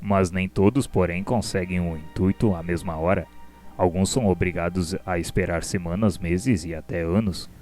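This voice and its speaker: A man with a Brazilian accent playing a kindly, authoritative spirit instructor in a radio drama, speaking formally and deliberately. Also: low-pitched, steady tone, a little mellow, lightly acted. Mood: kindly, instructive. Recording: music behind the voice.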